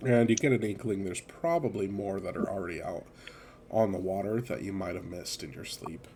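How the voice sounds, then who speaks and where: A man narrating a tabletop game as game master, unhurried, with many fillers. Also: low-pitched, a little mellow, slight background noise.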